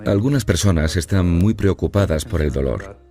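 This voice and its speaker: Deep-voiced man explaining calmly. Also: normal speed, soft background music. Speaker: dialogue organizer. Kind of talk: dubbed interview voice-over.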